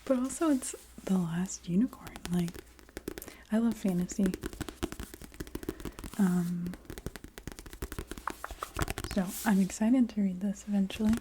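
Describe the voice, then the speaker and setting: A woman chatting casually in a soft ASMR voice that often drops into a whisper. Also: mid-range voice, slow pace, long pauses, noisy background. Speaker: ASMR video creator. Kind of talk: soft-spoken ASMR, casual rambling chat.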